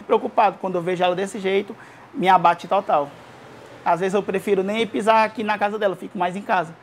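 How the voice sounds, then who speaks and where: A man with a very high voice speaks in an interview. He talks at a rapid clip, rambles, and keeps restarting his sentences. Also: fairly even intonation, a little hiss or hum. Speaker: councilor's son. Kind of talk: interview testimony.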